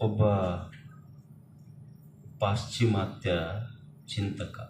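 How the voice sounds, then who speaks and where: A man preaches slowly and deliberately, setting each phrase apart with a pause. His voice sits a little low. The sound is roomy and distant, with a faint hiss underneath. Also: little pitch movement. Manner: slow, measured delivery with long pauses. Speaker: religious speaker. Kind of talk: sermon. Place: large public event hall. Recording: roomy echo from a distant mic with faint noise.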